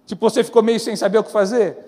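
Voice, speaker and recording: A Brazilian man preaching a sermon as pastor, moving between loud exhortation and hushed, intimate storytelling. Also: high-pitched, steady tone, fast talker, big-room sound. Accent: Brazilian Portuguese. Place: large church.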